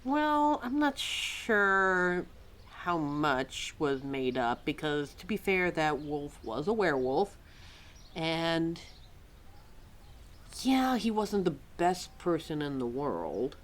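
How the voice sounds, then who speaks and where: Woman acting as female lore keeper, fantasy audio roleplay, exasperated, opinionated, sarcastic, conversational, highly animated intonation. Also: slow pace, heavily acted. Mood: wry, weary. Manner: sarcastic, chatty, heavy sighs and mimicked quotes. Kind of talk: ad-libbed audio roleplay addressed to a listener.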